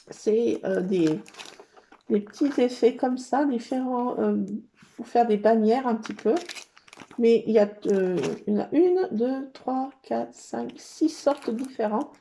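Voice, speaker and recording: A middle-aged woman chatting casually as she shows her scrapbooking work and supplies, rambling and pausing often. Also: fairly high pitch, gravelly, mellow, slight background noise. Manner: chatty, rambling, full of hesitations. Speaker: scrapbooking vlogger. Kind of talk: casual show-and-tell chat.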